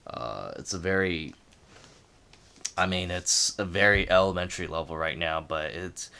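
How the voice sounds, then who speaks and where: A man with a very deep voice that stays clean and resonant. He chats casually and reflectively, as if to a camera, feeling his way through halting phrases and repeating words as he goes. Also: vocal fry, sharp tone, clear, resonant tone. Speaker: language learner sharing progress.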